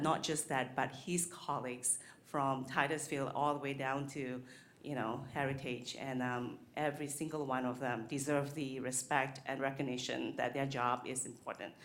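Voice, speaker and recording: A woman's voice: a bass voice, flat delivery, normal speed, slight background noise. A woman from Malaysia, a music teacher giving an earnest, hesitant public comment full of fillers at a school board meeting, speaking into a podium microphone.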